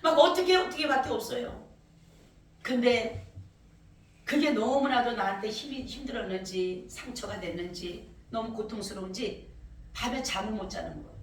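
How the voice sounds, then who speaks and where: A woman pastor giving an emotional testimony sermon, telling her story with animated, often rising speech. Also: medium pitch, a little fast, far from the mic. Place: church service. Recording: echoey church from afar, faint noise.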